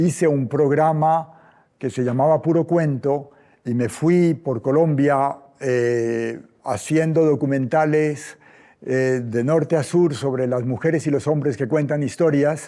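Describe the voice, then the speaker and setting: With a fairly high pitch and a dark, mellow tone, a man speaks at a very slow pace with ordinary pitch variation. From Colombia. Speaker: storyteller. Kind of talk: interview answer.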